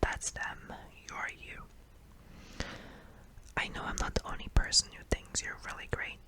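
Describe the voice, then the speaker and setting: A performer voicing a kindly, apologetic sleep paralysis demon in a soft, hesitant, breathy whisper for an ASMR roleplay. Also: measured pace, close to an everyday voice. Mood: reassuring, tender.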